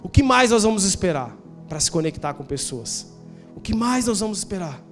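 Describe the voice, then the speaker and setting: A man's voice: high-pitched, very animated, normal speed, music in the background. A man in his forties with a Brazilian Portuguese accent, preaching a sermon in a conversational, storytelling way, tossing in rhetorical questions and slangy asides. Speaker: pastor. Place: church.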